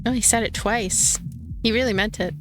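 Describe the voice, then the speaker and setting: A woman's voice: on the high side, moderate pace. A woman hosting a let's play, giving casual commentary and thinking aloud as she goes. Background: game music.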